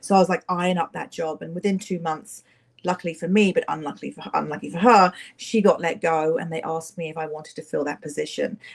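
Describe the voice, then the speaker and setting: A woman with an English accent talks very fast, her pitch fairly low and varying in an ordinary way. Vocal fry runs through her voice. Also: big swings in loudness. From England. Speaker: talent agent. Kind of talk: interview.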